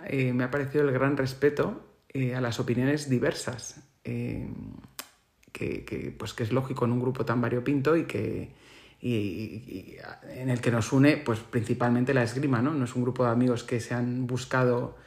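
Man, Spain Spanish accent, solo podcast monologue, reflective, thoughtful, pauses for words, middle pitch. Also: fairly even intonation, darkish tone.

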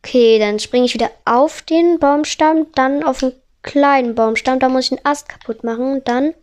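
A woman on a headset mic giving excitable let's play commentary, narrating every move and swearing when she fails. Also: high-pitched, normal speed. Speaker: gamer.

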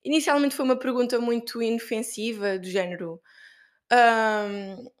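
A young woman with a European Portuguese accent chatting on her own podcast, rattling off stories from her week with plenty of fillers and asides. Her voice sits somewhat high, and she talks with an easy, lively informality. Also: normal speed. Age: young adult. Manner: chatty, animated storytelling, lots of fillers. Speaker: podcast host and student. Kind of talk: casual solo podcast chat.

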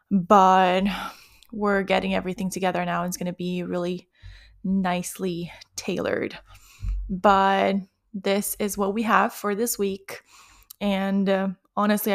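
A young woman in her twenties hosting her podcast, talking in a quick, chatty way and sounding tired. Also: mid-range voice. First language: Portuguese. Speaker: podcast host. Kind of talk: casual podcast intro.

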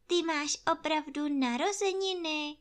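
A woman's voice: high-pitched, voice pushed up, natural voice. A woman voicing a kind, muddled little male teddy bear who sounds eager and wondering in a storybook reading.

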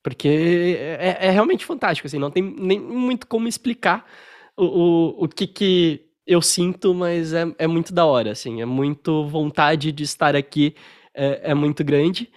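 A young Brazilian man, speaking with a Brazilian Portuguese accent, appears as a podcast guest over a video call, telling his story in casual interview chat. He's relaxed and full of fillers, his voice on the high side at a moderate pace.

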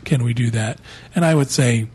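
A man's voice: medium pitch, normal speed, a little mellow, breathy edge. A man co-hosting a podcast, giving easygoing advice in casual chat. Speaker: podcast co-host.

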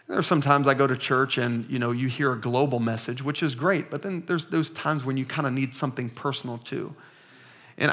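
A pastor in his thirties, with a mid-range and fairly bright voice, delivers a sermon. He reads scripture slowly and emphatically and engages the congregation in call-and-response.

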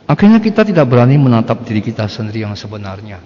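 A man's voice: medium pitch, very animated, fast talker, in a large hall, highs cut off. An older man, a Catholic priest, preaching a sermon bluntly and conversationally, often asking rhetorical questions.

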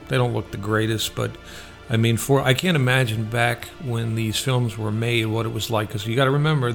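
A man hosting a radio show, reviewing films casually in a halting, conversational way, as if thinking aloud. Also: medium pitch, creaky. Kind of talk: casual solo film review.

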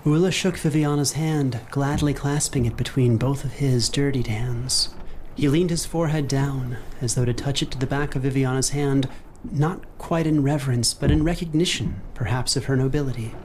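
A man narrating atmospheric fantasy horror in a measured, literary and dramatic manner. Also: mid-range voice, a little mellow, a little hiss or hum. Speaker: narrator, co-game master.

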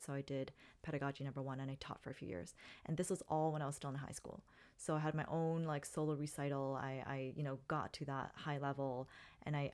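A woman's voice: low-pitched, darkish tone. A woman in her thirties hosting a solo podcast, telling her own story in a reflective way, with many ums and restarts. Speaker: podcast host.

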